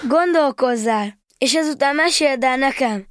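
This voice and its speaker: Woman doing an earnest little boy in a radio play, high childlike voice, dry recording. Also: no echo, natural voice. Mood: curious, coaxing.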